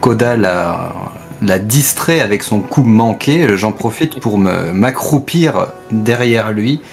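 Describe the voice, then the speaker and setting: Male role-playing gamer, somewhat low voice, casual table talk over background music. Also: animated, takes it slowly.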